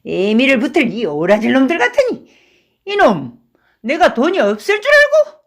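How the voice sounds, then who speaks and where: A woman's voice: high-pitched, sing-song, measured pace, pitched above the performer's own voice. A boisterous drunken rickshaw man of middle age, bellowing and slurring his words, as a woman acts him out. His voice leaps up and down wildly from boast to sob. A storybook reading brought to life. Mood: drunken bluster. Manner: shouting, slurred drunken bluster.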